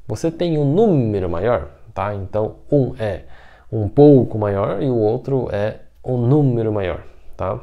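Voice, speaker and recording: A man teaching a language lesson online, explaining patiently step by step, slowly repeating example phrases and often checking in with the viewer. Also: on the low side, expressive, highs cut off. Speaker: Mandarin teacher.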